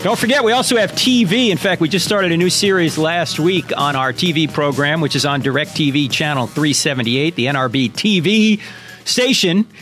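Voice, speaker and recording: A man's voice: on the high side, moderate pace, music in the background. A man with an American accent hosting a Christian radio talk show, addressing listeners directly in an emphatic, preacherly monologue with rhetorical questions.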